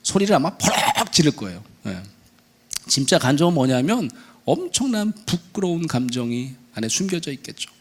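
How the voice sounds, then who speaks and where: Animated pastor man, lively storytelling. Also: on the high side, moderate pace, breathy edge. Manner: animated storytelling, acting out dialogue in voices. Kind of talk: sermon with acted-out stories. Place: church sanctuary.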